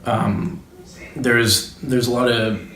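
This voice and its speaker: A young man from the United Arab Emirates answering interview questions in a relaxed, hedging way, with plenty of fillers. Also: mid-range voice, slow pace, slight background noise. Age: young adult. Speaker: student interviewee. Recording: echoey room.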